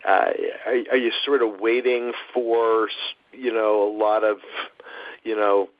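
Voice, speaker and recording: A man asking questions as an analyst on an earnings call, halting and rephrasing as he goes. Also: fairly low pitch, little pitch movement, dry recording. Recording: dull, dry phone-call audio.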